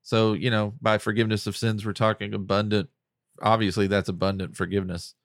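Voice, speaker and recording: A man co-hosting a casual Christian discussion, reading scripture aloud between relaxed fillers. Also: fairly low pitch, a little fast, no echo, studio quality. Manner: laid-back, reads scripture aloud with fillers. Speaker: podcast co-host.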